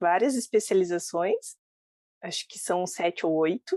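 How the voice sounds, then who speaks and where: Recorded with a dry, close sound and no echo, a woman with a Curitiba accent speaks at a medium pitch and fairly slow pace with ordinary pitch variation. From Curitiba, southern Brazil. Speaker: pharmacist. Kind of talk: interview.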